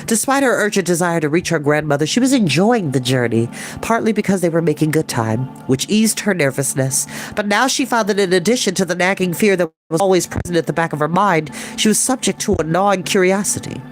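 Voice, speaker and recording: Animated male storybook narrator. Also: high-pitched, fairly quick. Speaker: storybook reader. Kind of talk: expressive scripted narration.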